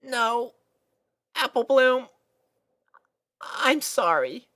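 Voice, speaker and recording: A woman's voice: fairly high pitch, animated, extremely slow, fairly bright tone, pitched above the performer's own voice, heavily acted. A woman voicing an anxious, lovesick young unicorn filly in a story reading, plaintive and easily flustered. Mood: remorseful, overwhelmed. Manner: plaintive, flustered, hesitant with stammers.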